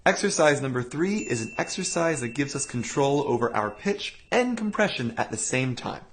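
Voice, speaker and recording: Guy teaching vocal cord exercises, calm and clear, voice goes up and down a lot. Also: medium pitch, moderate pace, slight background noise. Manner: calm, clear step-by-step explaining with sung demonstration sounds. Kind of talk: instructional voice lesson.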